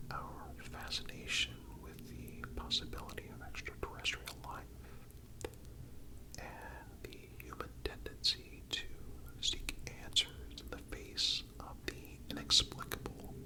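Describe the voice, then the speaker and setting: Using only a breathy whisper, the narrator works through a scripted ASMR story with slow, deliberate phrasing. The recording is rough.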